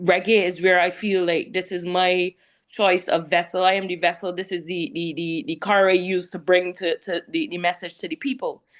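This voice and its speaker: Here a woman talks with a Barbadian accent. Her pitch is medium, her pace moderate. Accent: Bajan English. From Barbados. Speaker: reggae singer. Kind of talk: interview. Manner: animated.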